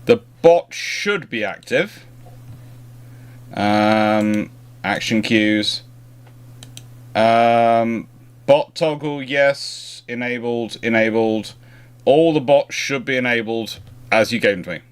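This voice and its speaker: Guy chatting on a live stream, normal pitch, rambles and trails off mid sentence, very casual. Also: takes it slowly, pauses often, smooth. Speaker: livestream host answering naval history questions.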